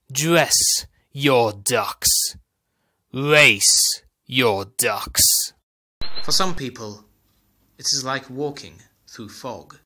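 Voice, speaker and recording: A young man reading scripted promotional narration as a commercial voice-over, with a dramatic, deliberate delivery. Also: medium pitch, pushed and bright, no echo.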